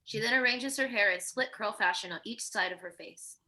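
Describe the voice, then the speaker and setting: A woman's voice: medium pitch, a little fast, bright, forceful tone. A woman narrating a screenplay, reading stage directions in a scripted table-read style.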